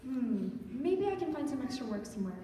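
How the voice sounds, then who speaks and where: A woman playing a patient, gentle 1940s mother in a stage radio play. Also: high-pitched, very animated, brisk. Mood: hesitant. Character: patient, hard-working widowed 1940s mother. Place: large church auditorium, recorded from the audience. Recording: echoey hall from far off, faint noise.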